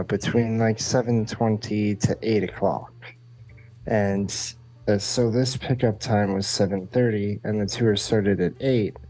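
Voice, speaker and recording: A podcast host with a fairly low, darkish voice tells a rambling, casual comic story, acting out the quoted dialogue as he goes.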